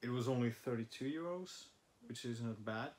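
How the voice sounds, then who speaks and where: Speaking at a moderate pace, this young man from Finland has a mid-range, slightly mellow voice, with a little background noise. A native Finnish speaker, he chats casually on his language-study vlog from a living room sofa, filling pauses as he thinks aloud, recorded by a camera facing the couch.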